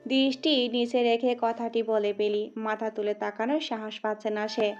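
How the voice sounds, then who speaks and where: A woman narrating a dramatic audio story with steady, scripted storytelling. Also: on the high side, normal speed. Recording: muffled audio with background music.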